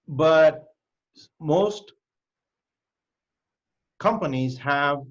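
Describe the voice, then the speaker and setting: A man hosting a live online Q&A as a cybersecurity educator, giving direct, emphatic advice with quick lifts in pitch. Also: lo-fi sound. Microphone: video call.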